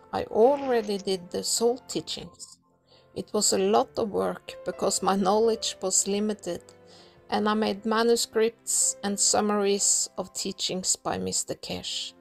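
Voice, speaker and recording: Norwegian woman with a gravelly edge. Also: medium pitch. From Norway. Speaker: council member giving a talk. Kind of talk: prepared talk, read aloud.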